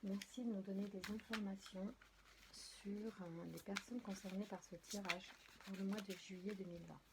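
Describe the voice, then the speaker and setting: A woman's voice: medium pitch, fairly even intonation, normal speed, very noisy. Hesitant woman reading tarot cards. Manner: hesitant, many fillers and restarts, apologetic; addresses viewers directly. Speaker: tarot and oracle card reader. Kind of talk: casual spoken card reading.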